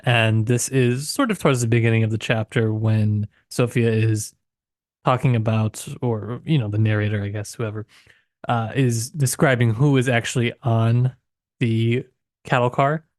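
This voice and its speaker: A man co-hosting a podcast in unscripted literary discussion, reflective and often halting as he searches for words. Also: mid-range voice, steady tone, darkish tone, dry recording, studio quality. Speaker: podcast co-host.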